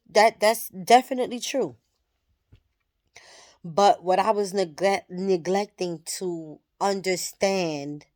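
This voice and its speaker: This vlogger is a woman in her thirties whose voice is on the low side and a little mellow. Addressing the camera, she reflects openly in a personal monologue, cursing freely while she works through her thoughts.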